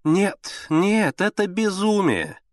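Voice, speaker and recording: Guy putting on a high whiny fussy mom, capricious and anxious, voice jumping all over, dry close sound. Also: animated, slow pace, no echo. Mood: fretting. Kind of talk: audiobook character voice.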